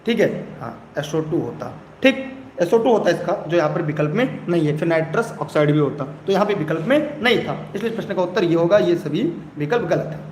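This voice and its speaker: High-pitched male teacher in an echoey room. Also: animated, brisk, a little mellow. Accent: Hindi, eastern Uttar Pradesh. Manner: urges viewers to comment, repeats phrases. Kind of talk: live online exam-prep lesson. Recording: echoey room, faint background noise.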